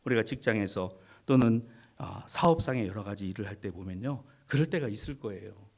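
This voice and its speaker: A male pastor preaching a sermon, animated and teasing, with sudden drops to a hush. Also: on the low side, fairly quick. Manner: animated preaching, swings from loud to hushed, teasing the congregation.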